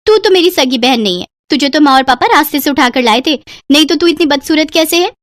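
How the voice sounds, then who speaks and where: A woman's voice: high voice, expressive, fairly quick, a bit bright, no echo, clean studio sound, pitched above the performer's own voice. A woman voicing a spoiled young woman who mocks her sister in a cartoon story. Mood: mocking. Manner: mocking.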